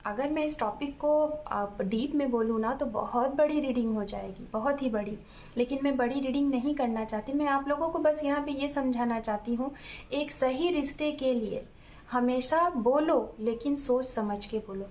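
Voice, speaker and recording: A woman tarot reader gives casual relationship advice straight to her viewers, explaining with everyday examples and often checking in with "ठीक है". Her voice is high and a little mellow, at a moderate pace, with a bit of hiss or hum.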